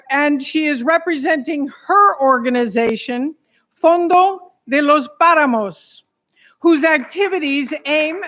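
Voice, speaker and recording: A woman's voice: sits high, a bit bright. A woman moderating a formal summit, introducing speakers in a ceremonious manner. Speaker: event moderator.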